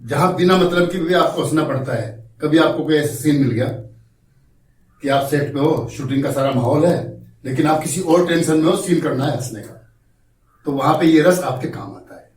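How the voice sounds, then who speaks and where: A man teaching an acting class, explaining slowly, coaxing his students and acting out examples himself. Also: fairly high pitch, a little mellow. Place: acting class room, indoors. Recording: roomy echo from far off, faint noise.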